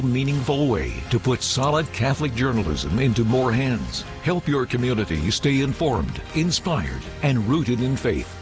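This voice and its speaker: A man reading a radio commercial in a polished, persuasive announcer style. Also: mid-range voice. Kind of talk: scripted commercial read.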